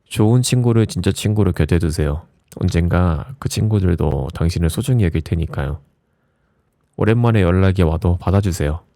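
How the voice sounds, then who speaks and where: A man with a low voice reads reflective essays as an audiobook narrator, in a soft ASMR style with a gentle, soothing bedtime delivery. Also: fairly quick, vocal fry, dry recording, studio quality. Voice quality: low, mellow voice.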